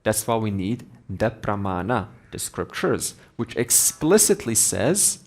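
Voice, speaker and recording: Slow, low-voiced man teaching Vedanta. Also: very animated, gravelly, soft background music. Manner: slow, deliberate explaining with Sanskrit terms. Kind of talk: spiritual lecture.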